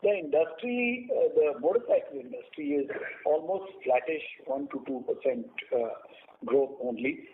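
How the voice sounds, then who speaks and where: A man with an Indian accent answering as a company executive on an earnings call in halting, choppy phrases. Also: a little high, sing-song, gravelly. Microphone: conference call line. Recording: tinny phone line with faint noise.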